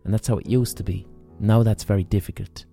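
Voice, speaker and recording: A man's voice: fairly low pitch, fairly even intonation, a little fast, vocal fry, mellow, soft background music. A man in his thirties hosting a solo podcast, talking bluntly and emphatically with frequent swearing. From Ireland. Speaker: podcast host.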